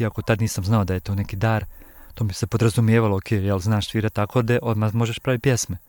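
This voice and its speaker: Speaking at a fairly quick pace, a man with a normal speaking voice, a medium pitch and fairly even intonation is heard in a very clean, dry, close recording with a silent background and no echo. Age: 40s. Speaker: podcast host. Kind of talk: personal monologue. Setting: outdoors on a meadow.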